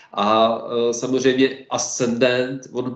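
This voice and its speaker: A man's voice carries audible room echo over a quiet background. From Czech Republic, Prague; Czech Republic. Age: 40s. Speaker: astrologer; guest. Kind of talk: casual chat. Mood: calm, explanatory. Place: home room. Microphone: video call.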